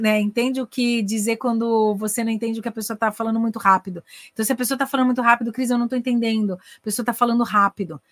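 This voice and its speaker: A lively Brazilian woman with a Brazilian Portuguese accent teaches English in a casual online masterclass, acting out dialogues and switching between Portuguese and English. Her voice is on the high side, and the recording is dry.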